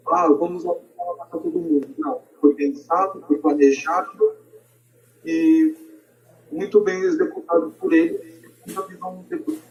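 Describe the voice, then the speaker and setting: A man's voice: high-pitched, vocal fry, darkish tone. A Brazilian man speaking as a podcast guest in a casual, opinionated debate, on a lo-fi recording. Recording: dull, lo-fi voice recording.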